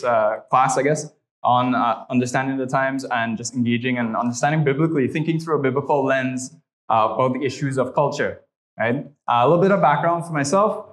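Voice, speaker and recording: A young man from Trinidad and Tobago with a Trinidadian accent, teaching a church class and leading a prayer, talking conversationally with many "right?" tags. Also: medium pitch.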